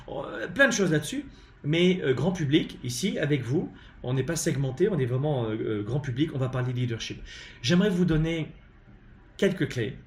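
A French leadership coach hosts a live show from his home, speaking about leadership in an emphatic, animated way with a medium-pitched voice. He pauses often on hesitant fillers. The room sounds roomy, with faint ambience and slight background noise behind him.

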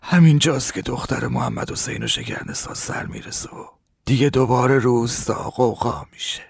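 A hoarse grieving old villager. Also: male voice, mid-range voice, wildly swooping pitch, no echo, heavily acted. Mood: grief-stricken. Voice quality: hoarse, raspy. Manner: halting, sorrowful storytelling. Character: grieving old village man recounting horrors. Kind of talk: audio drama acting.

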